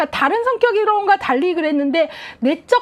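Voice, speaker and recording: Her pitch swings very widely as a woman talks at a fairly quick pace. Noticeable background noise is present. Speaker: exam prep lecturer. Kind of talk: lecture.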